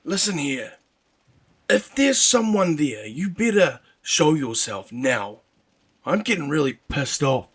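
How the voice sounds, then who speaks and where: A man voicing an angry, frightened grown man who shouts in a raw, high-strung voice in a horror story. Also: sing-song, slow pace, husky, heavily acted.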